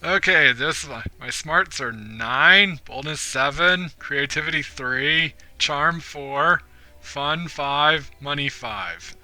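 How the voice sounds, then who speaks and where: A man's voice: on the high side, slow pace, sharp tone, soft background music. A man hosting a casual let's play, reading game text aloud and hesitating with frequent ums. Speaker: gaming channel host.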